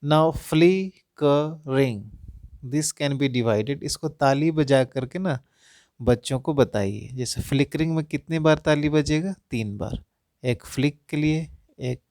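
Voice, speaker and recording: Man, reading tutor addressing parents; slow, careful delivery, breaks words into syllables, dry close sound. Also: medium pitch, a little mellow, no room sound. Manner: repeatedly addresses dear parents. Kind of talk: instructional talk to parents.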